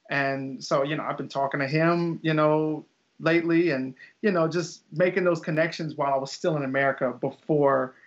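A young man, a teacher, chatting casually as an interview guest, rambling with lots of fillers and restarts. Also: fairly high pitch. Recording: dull lo-fi audio.

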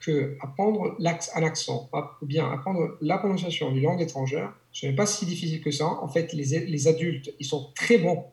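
A man's voice: on the high side, moderate pace, vocal fry, hardly any pauses, a little mellow. A man from Italy, speaking French as a language teacher in a conversational interview, hesitant with frequent restarts and fillers. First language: Italian. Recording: roomy echo.

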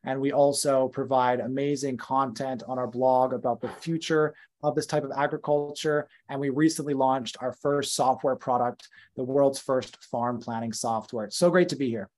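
A North American man in his thirties, a company founder, tells his story as a guest on a casual podcast, chatty and full of fillers, restarts and self-corrections. His medium-pitched voice is steady and darkish, at normal speed with few pauses.

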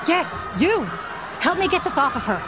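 An actress playing a calm, capable rescuer in a pulp radio drama, reassuring and decisive. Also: female voice, extremely high pitch, moderate pace, loud music behind the voice, poor audio. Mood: firm, directing. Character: steady, capable woman rescuer, wry under pressure.

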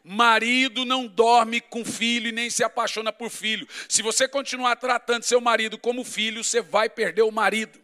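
A middle-aged male pastor, preaching an animated, humorous sermon that swings from loud to hushed. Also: extremely high pitch, normal speed, few pauses.

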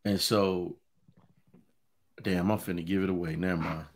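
A man's voice: steady tone, moderate pace. A man co-hosting a casual podcast chat, often restarting and trailing off mid-thought. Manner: trailing off, stumbling restarts, low-key interjections. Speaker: podcast co-host.

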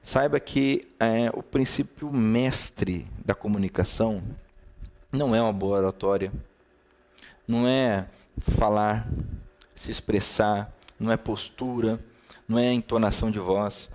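A man's voice: on the low side, darkish tone. A man with a Brazilian Portuguese accent preaching in a live-streamed devotional talk. He talks conversationally, repeats key words in lists and greets viewers by name between points.

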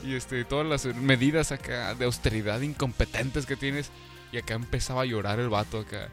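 A young man with a Mexican accent co-hosting a casual podcast chat, talking in slangy, animated bursts. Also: mid-range voice, fairly quick, faint music behind. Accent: Mexican Spanish. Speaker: podcast co-host.

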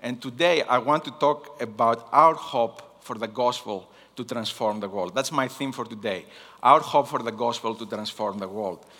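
A man from Greece with a Greek accent, preaching a sermon in a deliberate way and repeating key phrases for emphasis. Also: mid-range voice, bright, forceful tone. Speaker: guest missions preacher. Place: large hall, speaking to a congregation. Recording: long hall reverb.

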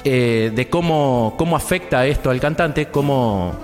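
A man's voice: medium pitch, unhurried, big-room sound, music in the background. A man co-hosting a live radio show, lecturing in a playful mock-expert manner and checking in with "¿sí?". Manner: mock-lecturing, explains step by step with frequent "¿sí?". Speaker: radio co-host giving a mock health segment. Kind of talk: comic live radio chat. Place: radio studio.

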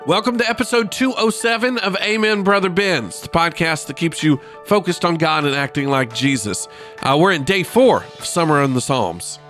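A man's voice: on the high side, moderate pace, a bit bright, soft background music. A man speaking casually as a devotional podcast host, informal and self-deprecating, with blocked sinuses that make him sound nasal, as if pinching his nose. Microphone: close podcast microphone.

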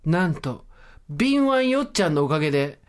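A woman's voice: sits low, big pitch swings, normal speed, clean tone. A middle-aged woman co-hosting a podcast, bantering and joking in casual chat. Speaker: podcast co-host.

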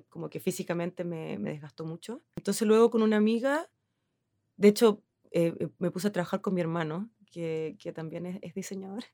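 A woman's voice: lowish voice, mellow, no room sound, clean studio sound. A Chilean woman in her thirties with a Chilean accent, answering interview questions in a rambling, casual way with lots of fillers. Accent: Chilean Spanish. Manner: rambling, many fillers and restarts, laughs easily. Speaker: designer, interview guest.

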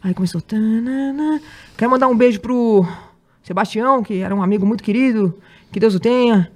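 A woman's voice: on the high side, a little fast. A young woman, a guest on a casual chat, playful and jokey as she talks.

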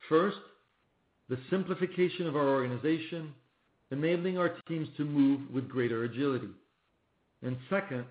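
A man, a company executive, reading a scripted corporate presentation on an earnings call in formal, measured phrasing. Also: on the high side. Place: conference call line. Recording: muffled phone-like line, roomy echo.

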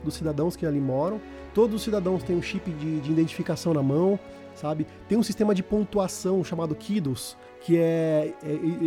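A man's voice: a little high, warm tone. A man with a Brazilian Portuguese accent explaining a video game in casual, informal podcast talk, repeating words as he goes.

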